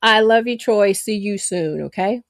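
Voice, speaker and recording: A woman's voice: mid-range voice, measured pace, dry recording, clean studio sound. A woman hosting a casual live online interview show, effusive and chatty. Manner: bubbly, effusive, laughs often. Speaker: host.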